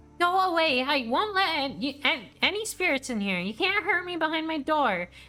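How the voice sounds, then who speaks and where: Over light background noise, a woman uses a put-on character voice, shrill and creaky, at an extremely high pitch, with very wide pitch swings and a moderate pace. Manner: shrieking, frightened.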